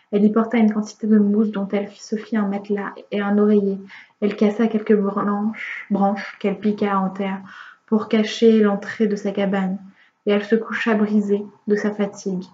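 A woman reads a fairy tale aloud in a calm, measured storytelling manner. Her mellow voice keeps an even line. The recording is roomy and slightly dull. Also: medium pitch. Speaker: audiobook reader.

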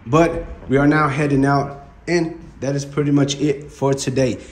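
A man's voice: mid-range voice, steady tone, moderate pace. A man in his thirties giving a plain, step-by-step walkthrough of a house renovation, filmed on a phone while walking through the rooms. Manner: plain, matter-of-fact, explaining step by step. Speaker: real estate investor vlogger. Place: empty house under renovation, indoors. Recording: echoey empty rooms.

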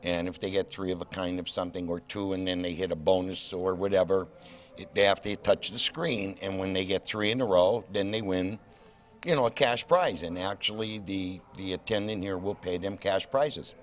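A man in his sixties who manages a shopping mall, explaining things in an animated way into a reporter's handheld mic. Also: sits low, moderate pace, faint music behind.

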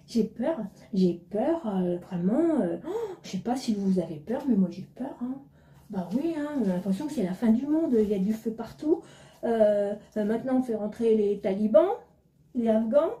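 A woman's voice: on the high side, lively intonation, normal speed, dark tone, reverberant, natural voice. A woman doing a fretful rich lady. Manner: frets and complains, boasts about prices. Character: anxious, fearful rich woman back from abroad. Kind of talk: comic sketch.

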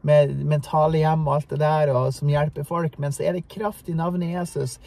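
A man's voice: on the high side, little pitch movement, darkish tone. A man co-hosting a faith talk, speaking in an earnest, preaching tone. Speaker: co-host. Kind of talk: faith discussion.

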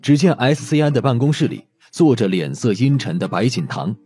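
Animated male audiobook narrator. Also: mid-range voice, fairly quick, slightly rough. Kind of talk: expressive scripted story narration. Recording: music behind the voice.

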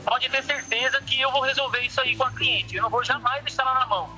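A man heard through a phone line, his voice pitched high and piercingly bright. He talks in a rambling, defensive way and keeps insisting on his reassurances. It is a casual call from a store owner. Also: fairly even intonation, fast, soft background music. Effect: heard over a phone line.

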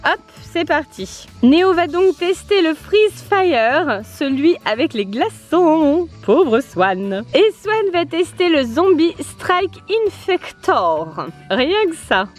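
A woman with a strikingly high voice hosts a family toy-review vlog outdoors beside a pool. She talks in a playful, teasing way and laughs often. Soft music plays faintly behind her. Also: very animated, takes it slowly. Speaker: mother and channel host.

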